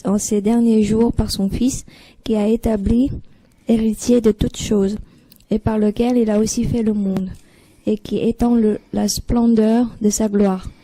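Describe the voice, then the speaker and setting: Woman, non-native French accent, careful scripture reading, dark mellow tone, dry sound. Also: fairly high pitch, flat delivery, measured pace, no room sound, low-quality recording. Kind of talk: reading aloud.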